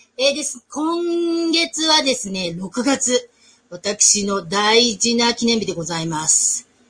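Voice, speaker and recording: Her pitch high and swinging very widely, a woman talks at a very slow pace. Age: 40s. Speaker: podcast host and IVF patient. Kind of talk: casual chat on a live stream. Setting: live stream.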